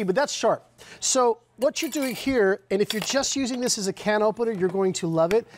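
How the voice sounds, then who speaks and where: A man's voice: high voice, a little hiss or hum. Middle-aged man, guest demonstrator, talks through each step conversationally on a studio mic. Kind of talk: live product demonstration, conversational. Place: TV studio kitchen set.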